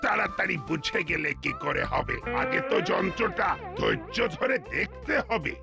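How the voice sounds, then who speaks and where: A man voicing a pompous, excitable, blustering police inspector in a comic cartoon. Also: sits high, moderate pace, vocal fry, over music, exaggerated voice. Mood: bossy, eager.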